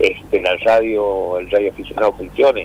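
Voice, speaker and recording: There is noticeable background noise while a man speaks at a moderate pace. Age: 80s+. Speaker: amateur radio operator. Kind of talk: interview answer.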